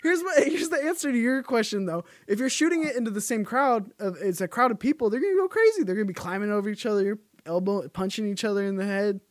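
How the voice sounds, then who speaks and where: A man's voice: high voice, expressive, fast talker, hardly any pauses, dry recording. A man hosting a podcast, chatting casually, joking and laughing often, swearing now and then. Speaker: podcast host. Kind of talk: casual chat.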